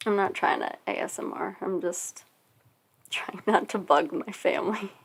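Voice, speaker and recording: A young woman streaming from home, chatting quietly and softly while she draws, with lots of hesitant ums, into a cheap desktop condenser mic. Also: mid-range voice, measured pace, vocal fry, breathy edge. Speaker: art streamer. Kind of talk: casual chat while drawing. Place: at home, family nearby.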